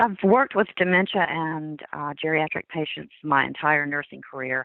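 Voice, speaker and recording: With a very deep, low pitch, a woman speaks at a moderate pace with ordinary pitch variation. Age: 50s. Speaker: semi-retired hospice nurse and caregiver. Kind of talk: podcast interview.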